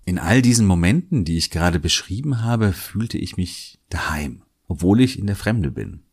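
A man's voice: low voice, sing-song, normal speed, husky. A German-speaking man hosting a solo podcast, talking in a thoughtful, musing way and often repeating words as he weighs his thoughts. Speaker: podcast host. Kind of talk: reflective solo podcast monologue.

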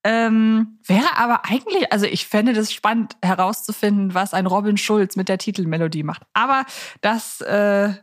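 A woman's voice: mid-range voice, normal speed. A woman chatting casually as a podcast host.

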